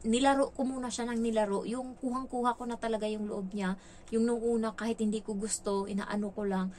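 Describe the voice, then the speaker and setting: Chatty Filipina vlogger, frank storyteller. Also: female voice, a little high, little pitch movement, brisk, warm tone, a little hiss or hum. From Philippines. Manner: chatty, frank, acts out quoted lines. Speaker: vlogger, domestic worker abroad. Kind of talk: casual storytelling vlog.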